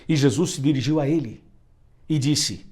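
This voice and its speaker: A man's voice: mid-range voice, moderate pace, darkish tone. A man with a Brazilian Portuguese accent preaching a sermon, emphatic and repeating phrases for effect.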